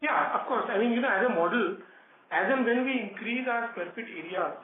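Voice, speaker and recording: Echoey thin phone sound, high-pitched Indian male executive, firm, insistent answers. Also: a little fast. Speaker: company finance executive. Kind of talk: earnings call answers. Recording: echoey tinny phone line with noise.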